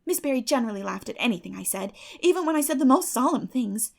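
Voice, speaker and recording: A woman plays an excitable orphan girl from a storybook, high in pitch. She gushes earnestly and dreamily, turning breathy and dramatic when carried away. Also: fast. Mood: earnest, chatty. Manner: gushing, dramatic, breathy in rapture.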